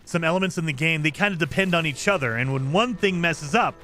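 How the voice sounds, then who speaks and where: A man streaming a game live, chatting casually and reading viewer comments, with a voice he calls high-pitched for a man. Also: fast talker, soft background music. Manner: chatty, lively, self-deprecating.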